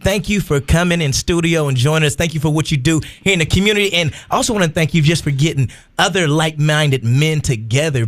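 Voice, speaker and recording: A man co-hosting a morning radio show, reacting with quick exclamations and laughter. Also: fairly high pitch. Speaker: radio co-host. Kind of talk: casual radio banter. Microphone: studio microphone.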